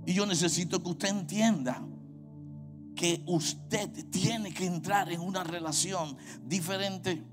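A man with a Puerto Rican accent preaching a sermon, swinging from quiet talk to shouted, sung exhortation over music. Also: sits high, fairly even intonation, slow. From Puerto Rico. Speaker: pastor.

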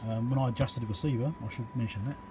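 This electronics repairer and video host speaks in a steady, mid-range tone at a racing pace, talking through each step of a hands-on fix at an indoor workbench. A handheld camera or phone mic captures it, along with loud hiss and background noise.

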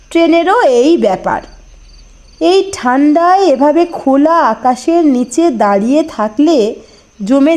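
A woman reading a scripted first-person horror story as narrator, with dramatic, deliberate phrasing and short pauses. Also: sits high, darkish tone.

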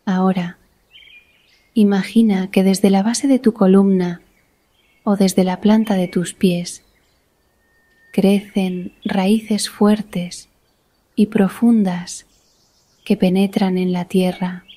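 A woman guiding a meditation in a soothing, deliberate manner with long pauses between phrases. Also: medium pitch, steady tone, warm tone. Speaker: guided meditation instructor. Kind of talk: slow guided meditation narration.

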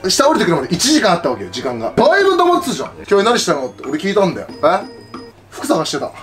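A young man telling a comic story about a friend, imitating his friends' lines in a lower voice. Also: wildly swooping pitch, very fast, soft background music. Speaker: YouTuber, group member.

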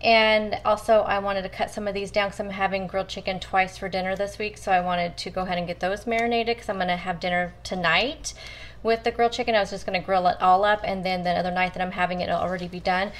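A woman talks fast in a steady, medium-pitched voice. She's at her home kitchen counter doing weekly meal prep, chatting casually with viewers she calls "you guys" as she walks them through it.

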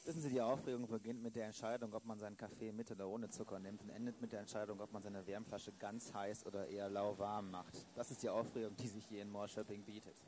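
A man's voice: lowish voice, flat delivery, fast, hardly any pauses, noisy background, lightly acted. A man playing a disillusioned old police inspector in a radio play, dry, resigned and sardonic. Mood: dry, weary. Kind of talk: improvised German radio play.

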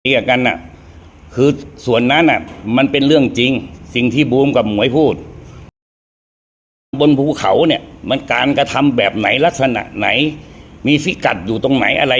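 A man talking in a played live-stream clip, halting and filling gaps with fillers. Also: mid-range voice, slightly rough.

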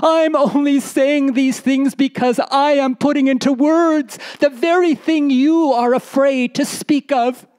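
A woman's voice: high-pitched, steady tone, measured pace, few pauses, darkish tone, pitched above the performer's own voice. A woman storyteller voicing the poor, anxious wife of a desert nomad, pleading and insistent. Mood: hurt. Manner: pleading, repeating "husband" with rising intensity.

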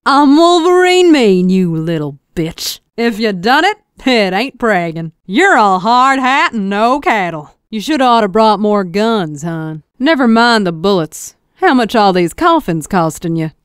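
A woman's voice: medium pitch, very animated, measured pace, few pauses, smooth, no echo, studio quality. A woman voicing a brash, folksy cowgirl engineer with a Texan accent and a drawling way of talking. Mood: mocking. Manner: drawling, folksy trash talk. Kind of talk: game voice lines.

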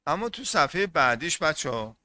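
A man's voice: fairly high pitch, sing-song, bright, forceful tone, no echo. A male English teacher giving a classroom lesson, repeating each term and putting questions to his students. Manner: repeats terms and quizzes the class.

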